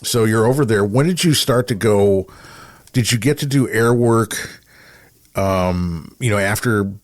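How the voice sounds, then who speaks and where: A man's voice: on the low side, measured pace. A middle-aged American man chatting casually as a podcast host, with a rambling, wry, self-deprecating manner. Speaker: radio broadcaster, podcast co-host. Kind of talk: casual chat.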